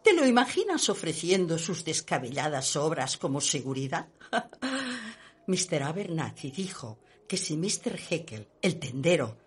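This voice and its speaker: A woman's voice: deep voice, husky, full character voice. An actress playing a snobbish, gossipy society lady in a radio play, speaking in a haughty, emphatic, theatrical way. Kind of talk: Spanish radio play acting.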